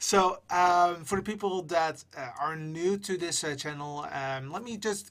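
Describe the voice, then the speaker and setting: On a very clean recording with a silent background, the speaker talks at a fairly slow pace in a Dutch accent. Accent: Americanized Dutch English. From Netherlands. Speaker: tech streamer. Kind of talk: live stream chat. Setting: home studio, live stream. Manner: halting, many fillers.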